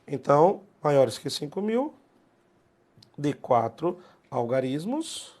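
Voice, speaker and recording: A man's voice: a little high, big pitch swings, slow pace, darkish tone. A man with a Brazilian Portuguese accent teaching a math exam-prep lesson, blunt and emphatic, repeating key points in slangy talk.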